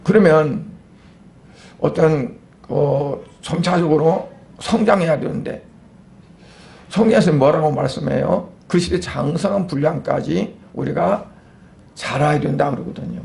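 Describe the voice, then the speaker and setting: A man, a pastor, preaching a Sunday sermon in a conversational way, asking rhetorical questions and pausing on fillers. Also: on the high side, gravelly, darkish tone.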